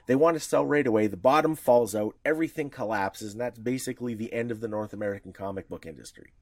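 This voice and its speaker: A man's voice: medium pitch, fast, no echo. A man co-hosting a podcast in casual chat, talking loosely with restarts and the odd swear word. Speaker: podcast co-host.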